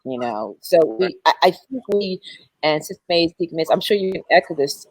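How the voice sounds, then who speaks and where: A woman's voice: fairly low pitch, expressive, moderate pace, slightly rough, no echo, low-quality recording. A middle-aged woman hosting a church panel conversation, chatty and laughing easily. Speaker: panel host.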